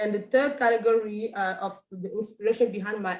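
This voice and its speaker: A woman speaks with a Cameroonian accent. Her pace is moderate. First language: French. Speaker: artist. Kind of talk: artist presentation. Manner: halting, many fillers and repetitions.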